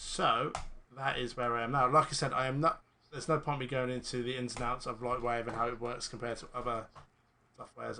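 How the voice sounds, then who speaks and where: Medium-pitched male voice with a bright, sharp tone, monotone, flat intonation and a moderate pace. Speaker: 3D animator. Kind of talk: live tutorial.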